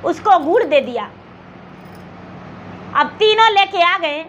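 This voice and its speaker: A woman with a Bihari accent narrates a religious folk story in an extremely high, bright voice. She takes her time, speaking in a homely village manner and repeating phrases for emphasis. The recording is dull and lo-fi, with faint noise behind her. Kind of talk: oral storytelling with acted dialogue, addressing a devotional gathering.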